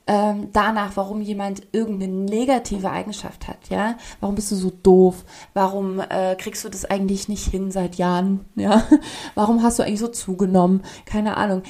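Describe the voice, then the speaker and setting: A woman's voice: mid-range voice, dark tone. A woman co-hosting a podcast, talking casually and explaining emphatically with rhetorical questions. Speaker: podcast co-host. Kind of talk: casual conversational podcast talk.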